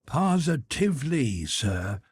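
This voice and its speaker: A man voicing a blunt, excitable Canadian whaler who is eager to hunt, in an audiobook. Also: medium pitch, slow pace, slightly rough, dry recording, clean studio sound, voice pushed up, heavily acted. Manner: exclamatory, trembling with eagerness.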